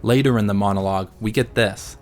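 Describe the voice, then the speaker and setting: A man narrating a scripted video essay in a measured, analytical way. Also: lowish voice, soft background music.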